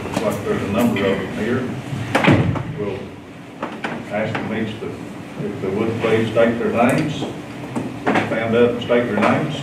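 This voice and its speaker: A man chairing a county commissioners meeting, calling items in a plain, relaxed way. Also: lowish voice, takes it slowly, pauses often. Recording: very echoey room, distant mic, loud noise.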